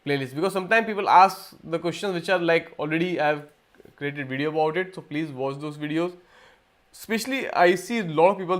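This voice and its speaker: A man from India hosts a casual livestream Q&A, his voice sitting a little higher than most men's. He rambles, restarting sentences and repeating words as he goes, talking into a computer mic. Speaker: livestream host. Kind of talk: casual live Q&A talk.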